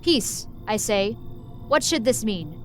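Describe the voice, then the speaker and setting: A woman's voice: medium pitch, big pitch swings, takes it slowly, a bit bright, soft background music. A woman acting a watchful, hopeful soldier on night guard in a Shakespearean audio drama, earnest in manner.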